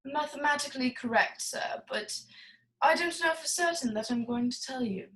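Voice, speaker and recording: A woman's voice: sits high, normal speed, fairly bright tone, low-quality recording. A woman acting a jovial, wordy, scheming male crime boss in a film noir radio play, florid and theatrically genial. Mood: genially evasive.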